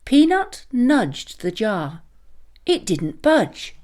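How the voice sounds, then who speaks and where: Very animated, high-voiced woman storyteller. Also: drawn-out words. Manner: dramatic, expressive. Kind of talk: scripted children's story narration.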